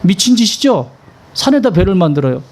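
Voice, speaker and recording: A man's voice: high voice, big pitch swings, a little fast, a little mellow. A male pastor preaching a sermon in a conversational way, asking his congregation questions and stressing points emphatically.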